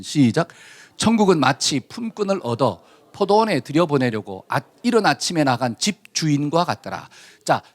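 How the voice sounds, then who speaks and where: A male pastor preaching a sermon, leading the congregation in reading verses aloud and acting out the dialogue in a casual, animated way. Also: a little high. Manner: animated, colloquial, acts out dialogue. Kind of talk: sermon with call-and-response scripture reading.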